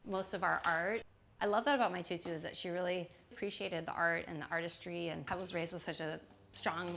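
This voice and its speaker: A woman's voice: fairly low pitch, creaky, a little hiss or hum. A woman from Hawaii in her thirties giving an enthusiastic, casual tour of her small home. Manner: warm, enthusiastic, laughs often. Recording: background music.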